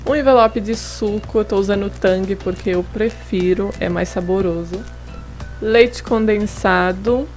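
Over soft background music, a young cooking channel host talks through a casual recipe in voice-over at her home kitchen table, adding friendly tips along the way. She speaks at a measured pace in a mid-range, slightly mellow voice.

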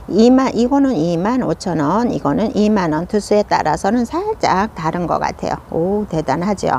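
A woman's voice: medium pitch, vocal fry, darkish tone, a little hiss or hum. A woman hosting a casual succulent showcase, gushing and exclaiming over how pretty each plant is. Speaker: succulent shop video host.

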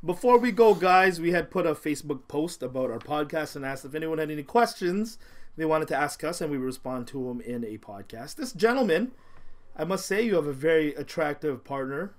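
A man co-hosting a podcast, talking loudly and joking in casual chat, picked up by one shared table mic in a small room. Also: a little high, brisk. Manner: loud, joking, animated. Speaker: podcast co-host. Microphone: single shared tabletop mic.

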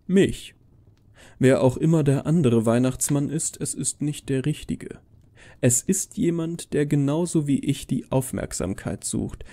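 A man's voice: a little high, warm tone. A man reading a first-person horror story as a dramatic, scripted narration.

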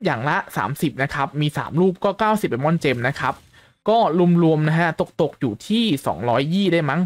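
A man's voice: on the high side, lively intonation, normal speed, no echo. A man giving a casual game guide, chatting as he explains rewards and events step by step. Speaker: gaming YouTuber.

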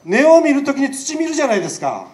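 A man with a very high voice and a Nagasaki dialect talks fast, his pitch swinging widely, as he gives a public lecture as a doctor. He is chatty and fires rhetorical questions at the audience, recorded from afar in an echoey hall.

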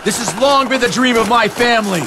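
A man's voice: very high voice, a little fast, background noise. A man voicing a bold, eager young invading general in a video game cutscene dub, calling out brash rallying orders.

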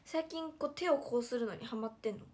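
A woman's voice: a little high, fast, a little mellow. A young woman chatting casually on a live stream, giggling and thanking viewers one by one.

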